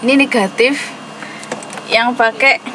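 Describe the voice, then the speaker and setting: A woman's voice: a little high, fairly even intonation, slow pace. A woman teaching an online English class with a Javanese accent, explaining patiently and dropping English terms into her speech. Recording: noisy room with air conditioning.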